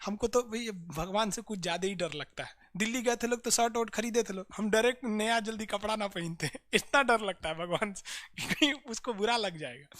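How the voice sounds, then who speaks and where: A man teaching an online map lesson, drilling students energetically with loud, rapid repetition. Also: sits high, no room sound, clean studio sound.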